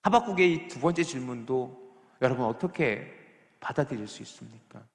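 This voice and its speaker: A male pastor delivers a Sunday sermon with a gravelly edge to his voice. He presses the congregation with rhetorical questions, dropping to a hush and then rising loud and emphatic. The sound rings around a church hall with a long reverb tail. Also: medium pitch, expressive, moderate pace. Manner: swings from hushed to loud and emphatic. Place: church sanctuary.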